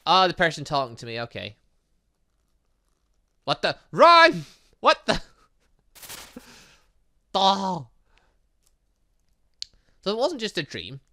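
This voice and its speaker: A man commentating on a game as its host, excitable and rambling, thinking aloud with frequent asides and exclamations. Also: high voice, takes it slowly, long pauses, dry recording. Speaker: gaming channel host. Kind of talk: let's-play commentary, reading game dialogue aloud.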